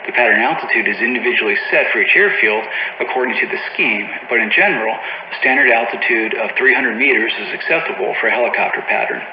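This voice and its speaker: A man reading scripted instructional narration for a flight simulator tutorial in a measured, matter-of-fact, procedural manner. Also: mid-range voice. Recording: dull, roomy lo-fi audio with faint noise.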